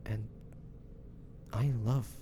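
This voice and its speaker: A man playing a devoted, nervous young man in love with his best friend, speaking softly and hesitantly in an intimate romantic audio roleplay. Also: fairly low pitch, steady tone, very slow, background noise. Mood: tender, earnest. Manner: hesitant, stammering, breathy sighs.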